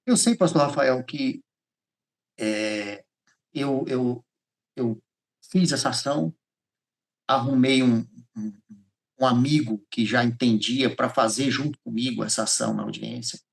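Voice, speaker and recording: A man's voice: medium pitch, measured pace, vocal fry, long pauses. A man with a Brazilian accent from Goiás, giving a personal testimony as a podcast guest, acting out dialogue and repeating phrases as he tells it. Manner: animated storyteller, repeats phrases, acts out dialogue.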